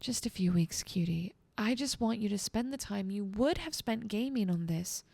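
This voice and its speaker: A woman's voice: medium pitch, animated, moderate pace, vocal fry, darkish tone, dry recording. A woman playing a motherly guardian angel girl in an ASMR roleplay, doting and coaxing with mild scolding. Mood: coaxing, practical.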